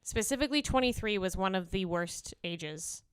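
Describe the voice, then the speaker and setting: A young woman co-hosting a casual podcast, talking loosely with lots of fillers and laughing easily. Her voice is smooth and clear. The sound is dry and close. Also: medium pitch, animated, moderate pace, no room sound. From United States. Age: 20s. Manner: chatty, many fillers, laughs often. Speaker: podcast co-host. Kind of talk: casual chat.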